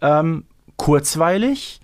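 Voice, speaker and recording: A man's voice: fairly high pitch, big pitch swings, drawn-out words, darkish tone. A man co-hosting a casual fan discussion, chatty and often seeking agreement with tag questions. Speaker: podcast co-host.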